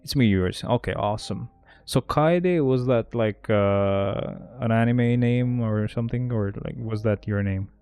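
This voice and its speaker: Slow, laid-back male game streamer. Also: mid-range voice, darkish tone, smooth. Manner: joking, rambling, laughs at own bits. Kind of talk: casual live-stream chat.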